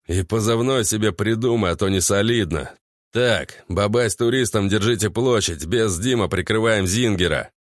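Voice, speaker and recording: Man voicing a gruff cursing squad commander. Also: on the low side, normal speed, no room sound, clean studio sound, lightly acted. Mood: mocking. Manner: curt barked orders with swearing. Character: gruff male squad commander, blunt, swearing. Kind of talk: audiobook character voice.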